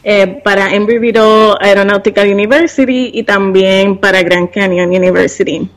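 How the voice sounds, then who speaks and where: Podcast guest, Puerto Rican woman, forties, mid-pitched, measured explanations. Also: fairly even intonation. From Puerto Rico. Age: 40s. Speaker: guest, university professor and business consultant. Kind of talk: podcast interview conversation.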